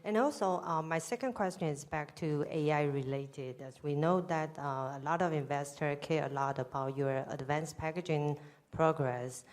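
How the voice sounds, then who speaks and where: Polite low-pitched woman analyst. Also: normal speed, a little mellow. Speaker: financial analyst asking questions. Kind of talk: earnings call question.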